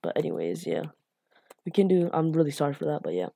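A woman with a slightly raspy late-night voice hosts a casual coding tutorial, rambling and apologizing with lots of fillers. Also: low voice, very animated, quick pace, warm tone, no room sound. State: a bit raspy from being up late.

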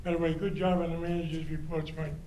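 An older man speaking as a citizen at a public comment microphone in a large council chamber, friendly and halting, with many restarts. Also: fairly high pitch, flat delivery, dark tone. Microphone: standing microphone. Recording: roomy hall sound, faint hum.

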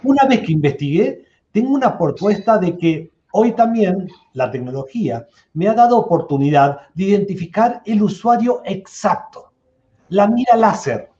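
A middle-aged man explains ideas on an online panel in an easy, conversational way. His voice is fairly high for a man yet mellow and warm. The sound is muffled, like a laptop mic on a video call. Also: lively intonation, normal speed. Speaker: marketing expert, panel guest. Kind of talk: expert commentary on a webinar panel.

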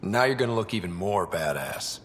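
An actor playing a casual, teasing young human hero in a video game, easygoing and informal. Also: male voice, deep voice, lively intonation, moderate pace, a little hiss or hum. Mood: friendly, teasing. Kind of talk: conversational video game acting.

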